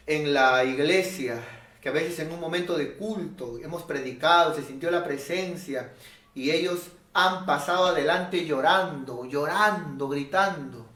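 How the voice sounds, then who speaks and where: A male pastor preaching a sermon in an animated, rhetorical way, often asking his listeners "¿no es cierto?". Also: on the high side, a little slow, distant mic. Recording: echoey room, voice off-mic.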